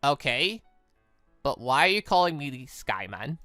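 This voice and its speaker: A bewildered young man in a visual novel, acted out by a narrator, anxious and hesitant. The voice is bright, with dramatic swings in pitch and a note of disbelief. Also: very animated, a little slow, no echo, soft background music. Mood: wary, polite.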